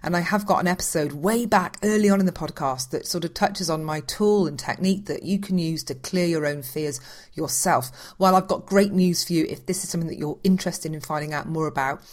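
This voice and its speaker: Chatty podcast host woman, lowish voice. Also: a little fast. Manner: chatty, enthusiastic, repeats herself. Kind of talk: podcast intro and interview.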